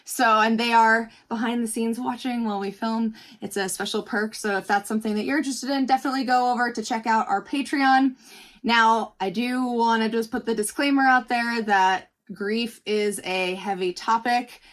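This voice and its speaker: An American woman hosts a panel podcast in a fairly high-pitched voice. She addresses the viewers directly as she introduces and guides the discussion. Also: steady tone, moderate pace. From United States. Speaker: podcast host. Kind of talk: scripted-sounding show introduction to camera.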